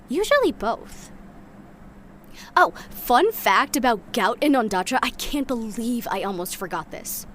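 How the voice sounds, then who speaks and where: A woman's voice: sits high, a little hiss or hum. An actress playing a bitter, sardonic woman in a sci-fi audio drama, ranting conversationally with sarcastic, mock-dramatic asides.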